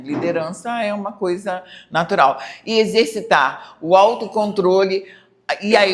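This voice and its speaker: Emphatic Brazilian woman Bible teacher. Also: fairly low pitch. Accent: Brazilian Portuguese. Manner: emphatic, with frequent rhetorical tag questions. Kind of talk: church Bible study lesson.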